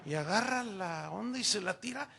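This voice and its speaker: An older Mexican pastor preaching with animated storytelling, his voice high-pitched and bright with a gravelly edge. He acts out every exchange in his stories, jumping up into raised, excited tones. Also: normal speed, slight background noise. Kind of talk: sermon with personal anecdotes.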